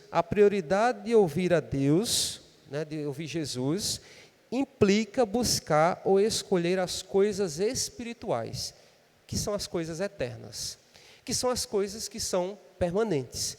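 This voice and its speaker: A man's voice: high voice, a little mellow, big-room sound. A man with a Brazilian Portuguese accent preaching a sermon in a conversational way, often tagging his sentences with a questioning "né?". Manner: conversational preaching with frequent "né?" tags. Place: church.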